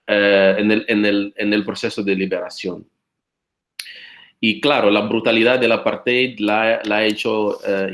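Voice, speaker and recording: Slow, low-voiced man lecturing haltingly. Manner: halting, many fillers and restarts. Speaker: guest lecturer. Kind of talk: academic seminar lecture.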